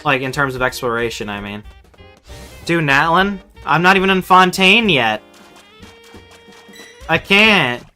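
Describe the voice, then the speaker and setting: A man's voice: fairly high pitch, lively intonation, a little slow, pauses often, bright, forceful tone. A man chatting casually while livestreaming a video game, playful and rambling, often repeating his phrases. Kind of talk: casual livestream gameplay chat. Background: faint game music.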